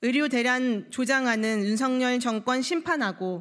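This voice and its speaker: Against a quiet background, a woman talks at a fairly slow pace in a high pitch. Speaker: politician. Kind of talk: press conference statement. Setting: press briefing room. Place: hall. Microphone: podium.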